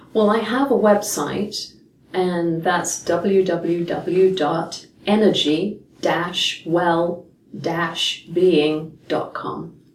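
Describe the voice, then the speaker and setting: Audible room echo follows a woman with an American accent as she speaks at a very slow pace, her fairly low pitch held in fairly even intonation. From England. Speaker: holistic health practitioner and meditation teacher. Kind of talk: interview.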